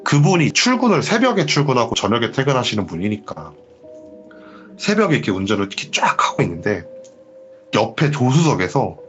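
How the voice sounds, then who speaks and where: Lively man retelling a ghost story. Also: mid-range voice, fairly quick, dull audio, soft background music. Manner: animated storytelling, acting out quoted lines. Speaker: horror story radio host.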